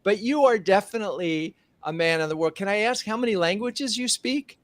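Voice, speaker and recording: A man's voice: high-pitched, animated, fairly quick, fairly bright tone, dry recording. A man hosting a live streamed marketing show from his home studio, upbeat, moving from a scripted welcome into chatty questions. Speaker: host.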